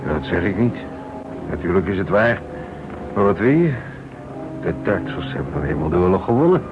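A man's voice: sits low, sing-song, brisk, background noise. An actor playing a cautious, resigned man on the defensive in a Dutch radio play. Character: cautious, resigned man accepting the occupiers' rule. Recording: muffled old radio recording.

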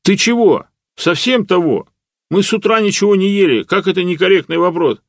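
A man doing a loud, brash slangy guy. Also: mid-range voice, sing-song, normal speed, pitched above the performer's own voice. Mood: indignant. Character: brash, hungry young man, loud and blunt.

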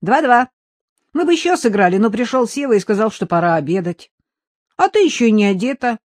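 A woman doing an eager, excitable young boy. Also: on the high side, brisk, no echo, clean studio sound, voice pushed up. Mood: excited. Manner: pleading, insistent, gushing.

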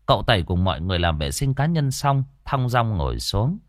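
A man narrating a ghost story in a lively, expressive reading. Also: lowish voice, brisk, dry recording, clean studio sound.

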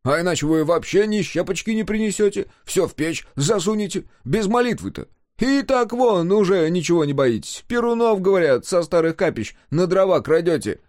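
A man's voice: medium pitch, big pitch swings, unhurried, darkish tone, no echo, clean studio sound, pitched above the performer's own voice. A man voicing a sly, grinning working man who jokes and explains things in a knowing, teasing way, in an audiobook. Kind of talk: audiobook character voice.

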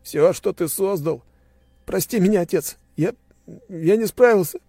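A high, gravelly young man's voice, tearful and stammering, as a desperate son. The tone is dark and husky, recorded dry and close. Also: unhurried, dry recording. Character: young adult man, distraught sobbing son. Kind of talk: audiobook character voice.

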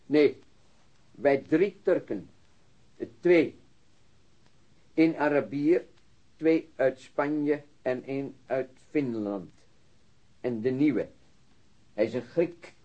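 An actor playing an immigrant truck driver who speaks halting, broken Dutch as a non-native, searching for words. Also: male voice, medium pitch. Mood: plain, matter-of-fact. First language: not Dutch. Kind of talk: radio drama acting. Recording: dull, band-limited radio recording.

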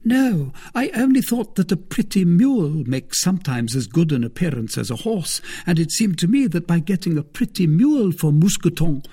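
Man doing a shrill, anxious lawyer's wife. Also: expressive, normal speed, hardly any pauses, dark tone, husky. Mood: pleading. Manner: shrill, tremulous pleading. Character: anxious, thrifty middle-aged Frenchwoman, a lawyer's wife.

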